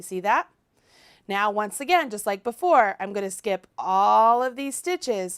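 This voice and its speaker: A woman uses an ordinary speaking voice at a fairly high pitch, talking fairly slowly with big swings in loudness, in a dry, close sound with no echo on a very clean recording with a silent background. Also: lively intonation. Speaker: crochet designer and teacher. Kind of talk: tutorial. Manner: casual, conversational.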